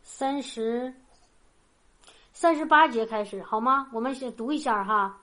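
A woman preaching an informal sermon, explaining a Bible passage in a loose, repetitive way and often ending phrases with a soft tag. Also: a little high, unhurried. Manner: loose and repetitive, with frequent restarts. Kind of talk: conversational sermon with Bible reading.

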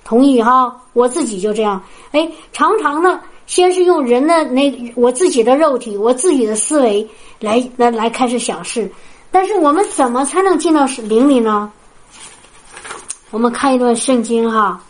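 A woman from China preaches and tells her own testimony. Her voice sits high and bright in pitch. She talks earnestly and keeps turning to her listeners with questions. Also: lively intonation, moderate pace. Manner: earnest, storytelling, addresses listeners directly. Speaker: preacher at a healing prayer meeting. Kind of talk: sermon with personal testimony.

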